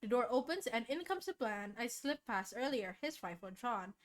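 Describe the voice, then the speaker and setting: A woman's voice: a little high, very animated, normal speed. A woman streamer reading a visual novel aloud, mixing dramatic narration with casual, chatty reactions. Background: game music.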